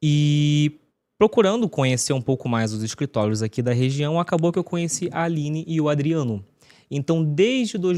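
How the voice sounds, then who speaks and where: With a strong Rio de Janeiro accent, a man speaks at a moderate pace in a fairly high pitch and a dark, mellow tone, his intonation lively, in a very clean recording with a silent background and a dry, close sound with no echo. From Rio de Janeiro, Brazil. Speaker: real estate lawyer. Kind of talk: podcast interview.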